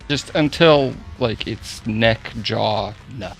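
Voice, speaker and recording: A man's voice: on the low side, slow, creaky, faint music behind, rough recording. A man chatting casually and jokily as a player in a tabletop role-playing game.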